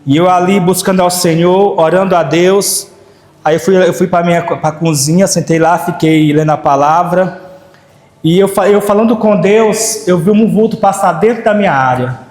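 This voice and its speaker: A man with a high voice tells his story to a congregation in plain conversational speech, stumbling and restarting as he goes. His voice echoes through a church hall with a long tail of reverb. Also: normal speed, a little mellow. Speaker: preacher. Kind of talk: sermon testimony.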